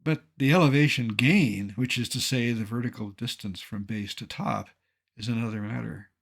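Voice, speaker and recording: Older guy in his 70s giving a slide talk, gravelly husky voice, dry jokes. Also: medium pitch. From Colorado, United States. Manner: dry, wry humor with measured delivery. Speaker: naturalist giving a public slide lecture. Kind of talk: illustrated lecture with storytelling.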